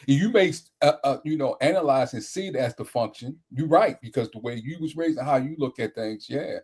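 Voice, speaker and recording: A man speaking on a casual panel discussion, halting and repeating words as he works toward his point. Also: mid-range voice, a little mellow, slightly rough.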